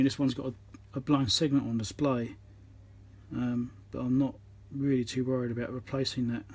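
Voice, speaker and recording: A man demonstrates an electronics repair on camera, a phone on a tripod, talking informally and plainly as he thinks aloud. His voice is medium-pitched with a darkish tone, and there's a little hiss or hum.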